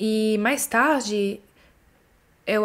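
Using ordinary pitch variation, a woman talks at a fairly high pitch with an English accent. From Canada. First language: English (speaking Portuguese). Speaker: YouTuber; reaction youtuber. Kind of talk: reaction video commentary. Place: home room. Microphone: studio mic.

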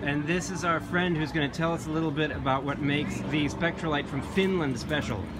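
With noticeable background noise, a man talks at a fairly high pitch with fairly even intonation. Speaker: video host interviewing a vendor. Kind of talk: casual talk to camera at a trade show. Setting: busy trade show floor. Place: market.

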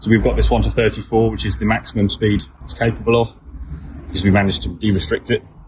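Fairly quick speech from a man, with noticeable noise in the background. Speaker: motorcycle dealership salesperson. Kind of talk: product walkthrough commentary. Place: street. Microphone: phone near.

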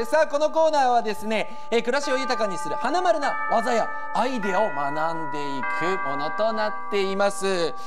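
Loud background noise accompanies a man speaking at a fairly quick pace. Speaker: TV presenter. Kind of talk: TV studio presenting. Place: studio. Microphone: lapel.

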